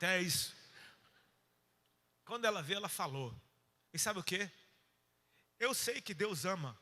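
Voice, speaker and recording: A Brazilian man preaching a sermon with a Brazilian Portuguese accent, telling stories in casual slang and swinging from loud to hushed. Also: fairly high pitch. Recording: reverberant hall.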